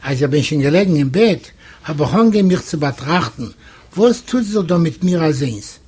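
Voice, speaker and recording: Husky high-voiced male storyteller. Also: lively intonation, normal speed, a little mellow. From Eastern Europe. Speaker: audiobook narrator. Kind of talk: scripted literary narration.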